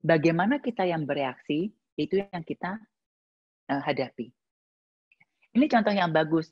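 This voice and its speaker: A woman's voice: deep voice, lively intonation, moderate pace, dull audio. A woman giving a casual, reflective talk, answering a listener's question with plenty of everyday examples. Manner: conversational, uses many examples and fillers.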